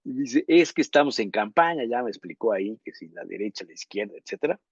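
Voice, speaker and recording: A Mexican journalist co-hosting a talk show, telling long anecdotes and often pausing to search for words. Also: male voice, medium pitch, big pitch swings, slightly rough, dry recording, lo-fi sound. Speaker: journalist co-host. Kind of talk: casual talk show chat.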